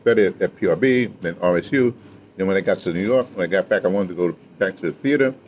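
Here an older American, around 60 to 70, talks quickly in a low, slightly mellow voice about his life as an interviewer and one-time radio dramatist. He's emphatic and digressive in casual conversation, repeating himself often. Noisy restaurant sounds surround him at an outdoor patio table.

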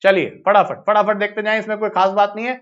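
Man, Indian accent, high pitch, brisk coaxing lecture style, repeats phrases, muffled lo-fi audio. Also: little pitch movement, a bit bright. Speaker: biology teacher. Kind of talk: live online exam-prep lecture. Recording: slightly dull lo-fi audio.

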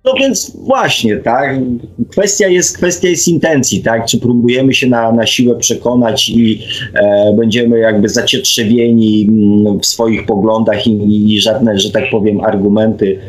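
A man's voice: on the low side, a little slow, poor audio. A man hosting an unscripted discussion, speaking hesitantly and reflectively, with frequent tag questions. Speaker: radio show host.

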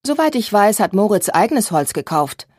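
A woman voicing a calm, sensible young woman in an audiobook, with a breathy voice. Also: mid-range voice, moderate pace, no room sound, studio quality.

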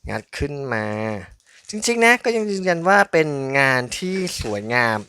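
A man's voice: sits high, sing-song, moderate pace, bright, forceful tone, clear, resonant tone. A man giving casual, chatty unboxing commentary in an informal but polite way. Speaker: toy unboxing channel host.

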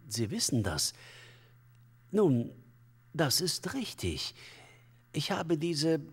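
An esoteric commune leader in a crime radio play. He is unctuous and evasive, halting and solemn in his flowery talk. The husky voice swings widely in pitch under long reverb. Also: heavily acted. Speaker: suspect under police questioning. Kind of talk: crime radio drama acting.

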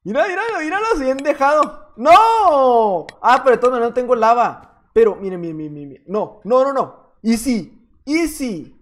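A man's voice: extremely high pitch, animated, normal speed, fairly bright tone. Playful Mexican man teasing on game commentary. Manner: playful, teasing, jokey banter. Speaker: gaming YouTuber. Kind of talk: gameplay commentary.

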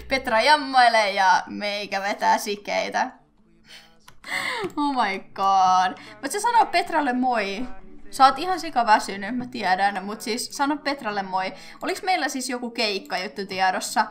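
A woman's voice: a little high, a bit bright. A young woman casually chatting her way through a Let's Play, giggling and talking to the characters on screen. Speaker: gaming YouTuber.

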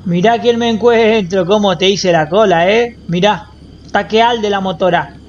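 A man's voice: sits high, a little slow, muffled recording, slight background noise. An Argentine man streaming a roleplay game, improvising joking, cocky banter full of street slang. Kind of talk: improvised in-character banter, casual slangy chat.

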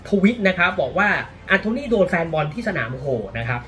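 Animated Thai man talking football. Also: high voice, fairly quick. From Thailand. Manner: animated, exclaims often. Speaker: football commentator. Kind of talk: casual football commentary.

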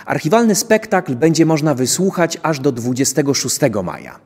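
A man's voice: a little high, big pitch swings, moderate pace, a little mellow, breathy edge. A young man giving a scripted presentation to camera as a presenter. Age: young adult. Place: indoors in a theatre, before a press wall. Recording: long hall-like reverb.

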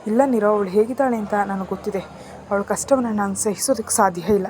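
A woman's voice: mid-range voice, fast, darkish tone, slight background noise, lightly acted. Woman voicing an earnest young man. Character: young man, protective older brother. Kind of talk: storybook reading.

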